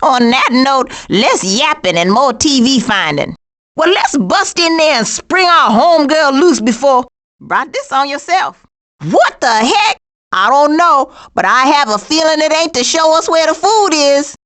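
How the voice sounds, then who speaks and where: A woman voicing a sassy, streetwise, sarcastic female skunk with slangy wisecracks in an animated video game. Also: sits high, unhurried, exaggerated voice.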